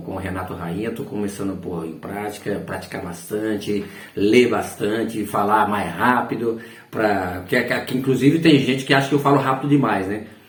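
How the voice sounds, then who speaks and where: With audible room echo and noticeable background noise, a man with a fairly low pitch and ordinary pitch variation speaks with big swings in loudness. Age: 60s. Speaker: football announcer and voice artist. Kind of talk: interview. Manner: fast.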